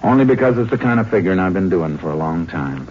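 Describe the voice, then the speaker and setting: An actor playing a steady, shrewd Texas Ranger investigator in a matter-of-fact, authoritative 1950s radio western style. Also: male voice, sits low, fast. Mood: firm. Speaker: lead actor and narrator. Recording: noisy, clicking, muffled 1950s radio recording.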